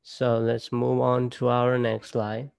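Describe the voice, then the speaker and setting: A young man from Nepal with a Nepali accent, presenting casually to students on a video call through a laptop mic, halting and restarting often. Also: medium pitch, monotone, creaky, darkish tone, smooth. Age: young adult. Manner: halting, with frequent fillers and restarts. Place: indoor room at home. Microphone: laptop webcam on a video call.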